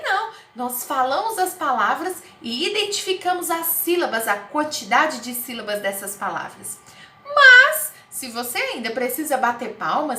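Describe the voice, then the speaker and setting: A woman with a Brazilian Portuguese accent teaching first graders in a recorded online class, talking slowly in a sing-song, exaggerated way. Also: high-pitched. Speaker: primary school teacher. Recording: echoey room, faint noise.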